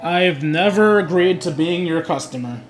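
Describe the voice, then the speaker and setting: A male gaming host with a slightly high voice gives casual let's-play commentary. He reads game dialogue aloud, and music plays clearly behind him. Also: normal speed.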